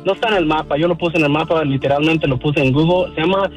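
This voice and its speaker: A middle-aged Mexican man with a Mexican accent, a car dealer appearing as a radio guest, talks fast in a voice on the high side. His casual interview manner is warm and folksy with lots of fillers, and soft music plays in the background.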